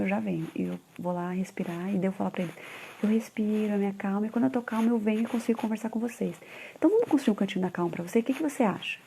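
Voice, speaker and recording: A woman's voice: medium pitch, gravelly, warm tone, slight background noise. A woman in her thirties, a mother and parenting educator, giving a casual conversational live talk with frequent tag questions.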